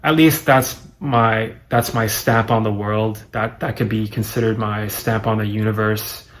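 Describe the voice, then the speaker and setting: A man in his late twenties with a raspy voice, rambling hesitantly and running himself down in a solo vlog, with many fillers. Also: on the low side, steady tone, a little slow. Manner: hesitant, self-deprecating, full of fillers. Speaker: YouTuber. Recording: echoey room, faint music behind.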